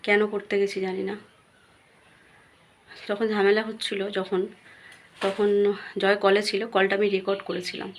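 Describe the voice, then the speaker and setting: A woman's voice: mid-range voice, flat delivery, measured pace, pauses often. A woman vlogging confessionally to her viewers, aggrieved and going back over the same points. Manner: aggrieved, repetitive. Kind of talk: confessional vlog talk to viewers. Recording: very noisy room recording.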